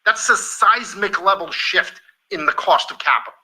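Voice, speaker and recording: This is a man speaking as a company executive on an earnings call, his voice very bright, sharp, and slightly high. Emphatic and enthusiastic at a moderate pace, he occasionally stops and repeats words while shaping his answer.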